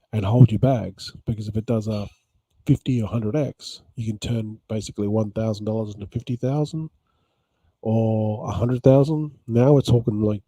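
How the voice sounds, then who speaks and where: A man's voice: lowish voice, warm tone, breathy edge, no room sound, low-quality recording. A man in a rambling casual vlog about crypto, tired after a late night, repeating himself with many ums. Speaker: crypto vlogger. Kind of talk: casual talk to camera.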